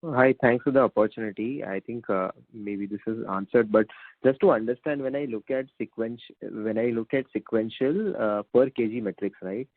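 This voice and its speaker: A man with an Indian accent putting questions as an analyst on an earnings call, halting and repeating himself. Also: medium pitch, no echo. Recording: narrowband phone line.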